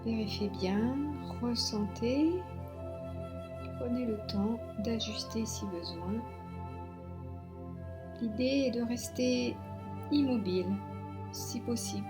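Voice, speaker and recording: A woman guiding a yoga relaxation meditation as an instructor, giving soothing, unhurried instructions with long pauses. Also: a little high. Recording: soft new-age music behind. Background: new-age relaxation music.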